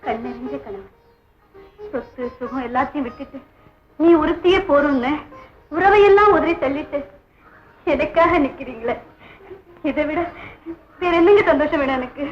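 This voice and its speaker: An actress playing a gentle, devoted young wife who speaks softly and tenderly to her husband in an old film. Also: high-pitched, moderate pace, long pauses, close to an everyday voice. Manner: soft, tender. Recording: dull old film soundtrack with loud music.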